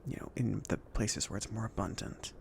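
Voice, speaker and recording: In a cozy ASMR fantasy roleplay, a man plays a chill, considerate mage who sends his apprentice off on errands. He mostly whispers, slipping into crackly fry when his voice rises into low speech, and sounds casual, slightly hesitant and gently reassuring. The pace is moderate and the mood calm and explanatory.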